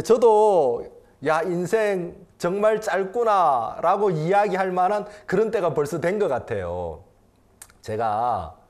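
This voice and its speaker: A man in his fifties, a pastor preaching a sermon, swinging from loud emphatic lines to quiet intimate ones and repeating phrases for emphasis. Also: mid-range voice.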